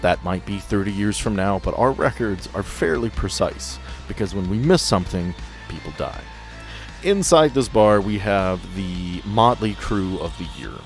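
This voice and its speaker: A man's voice: fairly low pitch, expressive, moderate pace, soft background music. A man acting as game master, improvising narration for a tabletop roleplaying game.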